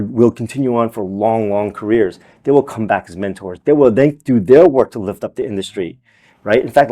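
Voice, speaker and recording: A Vietnamese-born man raised in America, a film director and teacher, answering interview questions in an earnest, animated way with many repeated words. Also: fairly low pitch. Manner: earnest, animated, repeats words and says "you know" often.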